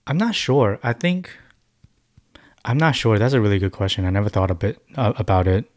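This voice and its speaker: A young man in his twenties, raised in China and Taiwan, answering questions as a podcast guest in a thoughtful, halting way with many restarts. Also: fairly low pitch, very animated, dry recording, clean studio sound. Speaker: musician guest. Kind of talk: casual podcast interview.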